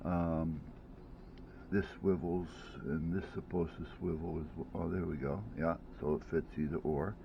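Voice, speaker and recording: A low-voiced man rambles through a casual gadget chat at home, restarting sentences and piling on fillers. The recording sounds a little dull, with a faint hiss underneath. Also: fairly even intonation, unhurried, creaky. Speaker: vlogger reviewing gadgets.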